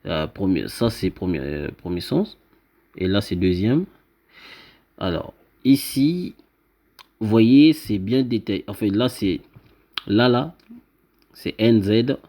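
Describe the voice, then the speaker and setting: A man explaining a writing system he invented to viewers, pointing at a screen and talking haltingly with many fillers and restarts. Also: on the low side, lively intonation, mellow. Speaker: self-styled teacher presenting his invented script. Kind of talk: informal explanatory talk over a screen.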